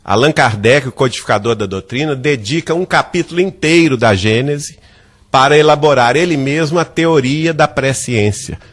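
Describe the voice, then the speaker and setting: A Brazilian man, a guest on a radio program, tells a personal story with lively energy and acts out the dialogue. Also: mid-range voice, normal speed.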